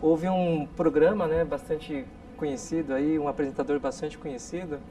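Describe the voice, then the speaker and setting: A man in his forties from South Korea, a guest telling stories in a relaxed interview with many tag questions. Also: fairly high pitch, normal speed. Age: 40s. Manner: storytelling, frequent tag questions. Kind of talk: casual interview talk. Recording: distant mic with faint noise.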